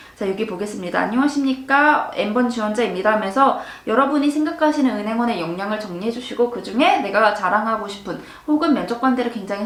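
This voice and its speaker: Over noticeable background noise and audible room echo, a woman with a fairly high pitch speaks at a very fast pace with lively intonation. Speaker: job interview coach. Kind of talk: lecture.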